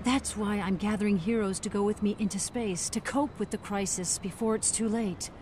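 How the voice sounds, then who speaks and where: An actor voicing Troia, a grown heroine, in a motion comic, speaking earnestly and gravely. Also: male voice, high voice, fairly even intonation, moderate pace, darkish tone, a little hiss or hum, pitched above the performer's own voice, lightly acted.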